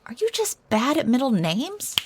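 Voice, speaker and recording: Folksy, cheeky young lab assistant. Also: female voice, sits high, very animated, moderate pace, slight background noise.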